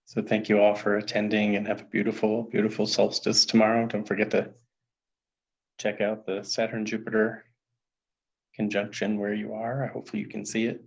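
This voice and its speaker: A man's voice: lowish voice, completely flat delivery, moderate pace, creaky. A man hosting an online group, giving informal remarks over a lo-fi call. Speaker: online meditation host. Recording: dull lo-fi call audio.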